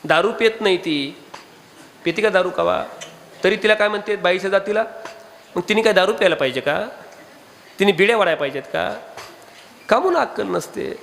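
Man, Marathi accent, kirtan preacher, animated, high-pitched, long hall reverb. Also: a little fast, vocal fry, pauses often, slight background noise. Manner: animated, rhetorical questions to the audience. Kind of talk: devotional sermon.

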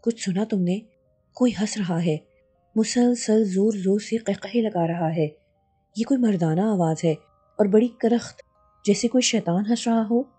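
A young husband in a horror audiobook who talks earnestly and covers his unease with jokes, as a woman narrator reads him. The voice stays dark and husky, with soft background music. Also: mid-range voice, a little slow. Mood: uneasy. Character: worried young husband, bluffing bravado.

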